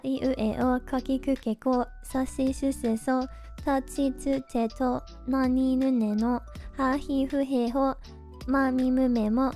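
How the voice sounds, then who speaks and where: Young female streamer, high and bright voice, chatty and giggly, close-miked, faint music behind. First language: Norwegian. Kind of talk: casual livestream chat.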